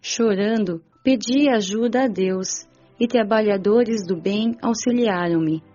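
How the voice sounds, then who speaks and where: Dull, lo-fi audio with music underneath carries a woman acting a young female spirit in an audiobook drama. The voice is mellow and measured, confessing with sincere humility and regret. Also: mid-range voice. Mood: humble, grateful.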